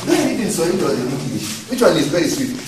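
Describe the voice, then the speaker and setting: Man, preacher, high voice, swooping delivery, distant mic. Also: quick pace, very noisy. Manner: animated, code-switching, asks the congregation questions. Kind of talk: sermon. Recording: echoey hall from a distant mic.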